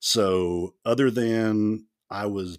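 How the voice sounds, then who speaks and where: A man speaks with an American accent in a monotone, flat intonation. The sound is dry and close with no echo. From Texas, near Dallas. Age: 50s. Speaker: police officer. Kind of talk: personal testimony interview.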